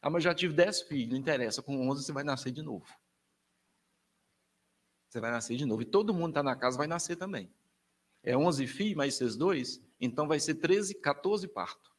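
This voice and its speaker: A Brazilian man, a Catholic priest, giving an emphatic, colloquial lecture to families, his pitch and loudness swinging widely. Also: animated, moderate pace, pauses often. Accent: Brazilian Portuguese.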